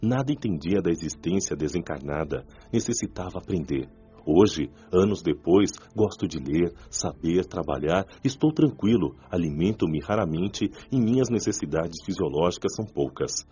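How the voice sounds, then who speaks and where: A deep-voiced repentant spirit. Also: male voice, animated, moderate pace, mellow, husky, highs cut off. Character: former smoker spirit man recalling his suffering. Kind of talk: radio drama acting.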